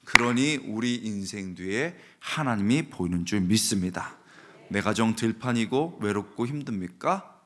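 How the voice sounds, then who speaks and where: Low-voiced male preacher, questioning the congregation. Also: lively intonation, normal speed, a little hiss or hum. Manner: acts out quoted voices with sudden high cries; asks the congregation direct questions. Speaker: preacher at a dawn prayer service. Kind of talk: sermon with personal stories.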